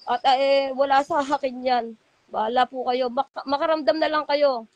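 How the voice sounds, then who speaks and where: A high-pitched middle-aged woman pours out her side of the story in long, rambling runs. She slips into other people's voices as she quotes them. The sound is close and dry, with no room around it. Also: steady tone, normal speed, no echo. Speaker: guest, former church member. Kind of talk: emotional call-in interview.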